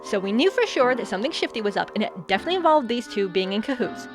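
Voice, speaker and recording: A woman plays a breezy teenage girl who loves the stage. Her high voice swings freely as she chatters in slangy, dramatic fashion, with clear music behind her in an audio comedy. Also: sing-song, quick pace. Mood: breezy storytelling.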